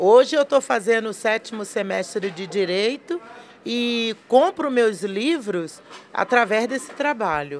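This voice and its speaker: With music in the background, a woman at a fairly high pitch speaks at a very slow pace with lively intonation. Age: 60s. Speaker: street food vendor. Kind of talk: interview.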